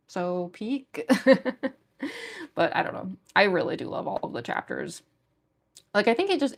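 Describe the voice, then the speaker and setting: Chatting with stream viewers, the young woman artist wanders from point to point with plenty of fillers. Her fairly low voice is gruff and smoker-like, and it's giving out into hoarseness.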